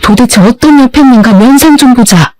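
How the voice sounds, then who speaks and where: A woman's voice: on the high side, moderate pace, a little mellow, no echo, soft background music, lightly acted. A woman voicing a worried older mother in a narrated story, fretful and tenderly scolding.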